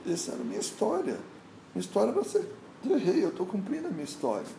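A man voicing a calm, resigned king who accepts his loss. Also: sits high, quick pace, vocal fry, echoey room, a little hiss or hum, pitched above the performer's own voice, exaggerated voice, rough recording. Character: resigned, calm middle-aged male king.

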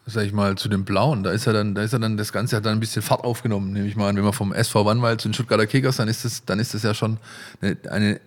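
Low-voiced male podcast host. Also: little pitch movement, fast. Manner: asks long, rambling questions. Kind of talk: interviewing.

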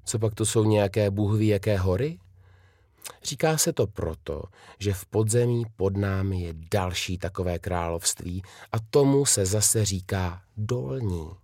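A man's voice: lowish voice, a little mellow, dry recording, clean studio sound, close to an everyday voice. A man reading a children's storybook, voicing a kind, firm young female governess who explains things emphatically. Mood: explaining.

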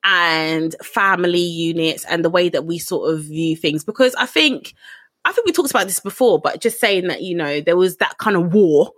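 A young adult woman, co-hosting a casual podcast chat in a chatty, animated way. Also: on the low side, dry recording, clean studio sound. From Ghana heritage, raised in England. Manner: animated, chatty, quick asides. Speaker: podcast co-host.

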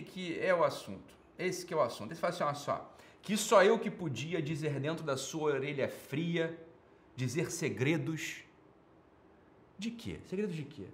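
A man's voice: a little high, fairly bright tone. A Brazilian man giving informal, off-the-cuff commentary as a program host, opinionated and emphatic, with repetition and slangy, profane wording.

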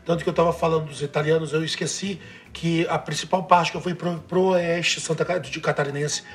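A man's voice: a little high, level tone, brisk. A man from Northeast Brazil with a Northeastern Brazilian accent, chatting casually and enthusiastically, sometimes trailing off as he searches for words. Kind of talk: casual chat.

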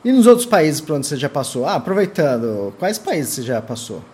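A woman's voice: sits low, sing-song, brisk, warm tone. A woman interviewing a traveler with short, teasing questions. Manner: brief prompting questions, teasing. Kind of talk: casual interview.

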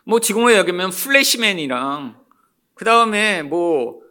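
A male pastor preaching an expository sermon, animated and often calling out to the congregation. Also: high-pitched, normal speed.

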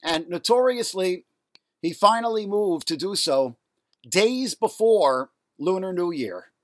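A man, hosting a solo podcast from his apartment, ranting angrily in a raspy, nasal voice while ill and congested. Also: on the high side, no echo, clean studio sound. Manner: angry, indignant ranting. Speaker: podcast host. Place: home apartment.

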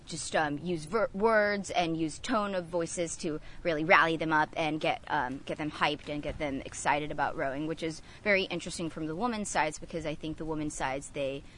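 A woman's voice: deep voice, normal speed, hardly any pauses, fairly bright tone, slight background noise. A young woman who coxes a college rowing team, answering interview questions with lots of fillers. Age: young adult. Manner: lots of um fillers, chatty and upbeat.

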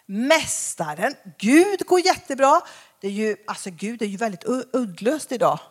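Female Christian speaker, lively and expressive, pitched a bit high, plays out conversations in her talk. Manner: acts out dialogues with shifting voices.

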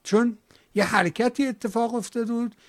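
A man's voice: very high-pitched, fairly even intonation, dry recording, clean studio sound. A man hosting a call-in show, scolding and lecturing a caller in a heated debate. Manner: lectures and scolds, dramatic chanting asides.

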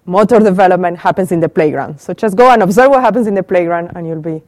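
A woman's voice: fairly low pitch, quick pace, a little mellow, no room sound. Argentine woman lecturing a small group. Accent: Argentine Spanish. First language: Spanish. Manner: asks the audience questions and repeats their answers. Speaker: professor giving a talk. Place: small room with a live audience. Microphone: handheld mic.

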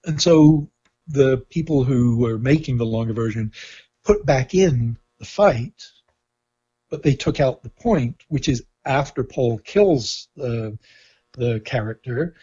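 A man from Canada with a husky voice, talking in an interview in a halting, thoughtful, opinionated way. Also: mid-range voice, warm tone. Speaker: interviewee, film journalist. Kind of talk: reflective interview talk. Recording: dull, lo-fi sound.

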